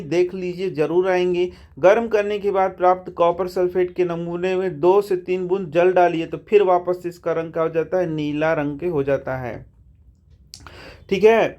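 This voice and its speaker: High-voiced chatty science teacher. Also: male voice, a little mellow. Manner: chatty, addresses students as bhai; asks and answers his own questions. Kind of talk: line-by-line textbook lesson.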